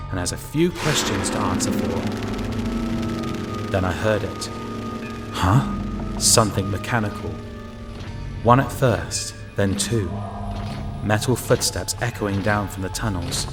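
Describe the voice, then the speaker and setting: A man's voice: fairly low pitch, lightly acted. A man playing a wary lone inspector who narrates and acts out his ordeal in an audio drama, tense and dramatic. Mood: suspicious, indignant, then uneasy. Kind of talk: first-person audio drama narration and acting.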